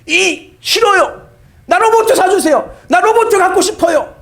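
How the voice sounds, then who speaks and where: A man's voice: very high-pitched, unhurried, fairly bright tone, voice pushed up, full character voice. A man voicing a petulant little boy who whines and pleads for a toy robot. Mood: whining.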